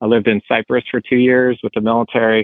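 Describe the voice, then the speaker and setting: At a moderate pace, a man uses an ordinary speaking voice with a medium pitch. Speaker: military service member and caller. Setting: phone call.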